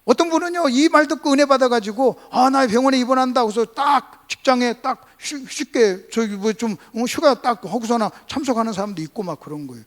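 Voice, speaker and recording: A man's voice: very high-pitched, a little fast, few pauses. A man from South Korea preaches a revival sermon as a pastor, teaching emphatically with repetition and rhetorical questions to his congregation. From Gunsan, North Jeolla, South Korea. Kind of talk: Sunday revival sermon with call-and-response to congregation. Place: church service.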